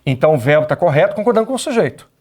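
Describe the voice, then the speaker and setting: A man's voice: on the high side, sing-song, very fast, a little mellow. A Brazilian man teaching an exam-prep grammar lecture, who explains step by step and keeps asking the class rhetorical questions. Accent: Brazilian Portuguese.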